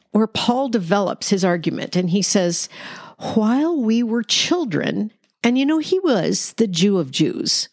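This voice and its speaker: A woman's voice: medium pitch, no room sound, clean studio sound. A woman hosting a Bible study, explaining scripture conversationally in an explanatory, emphatic way. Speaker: Bible study podcast host.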